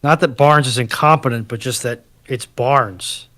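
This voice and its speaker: A man's voice: medium pitch, steady tone, normal speed, a bit bright. A man co-hosting a live chat, making casual, wry remarks with dry humour.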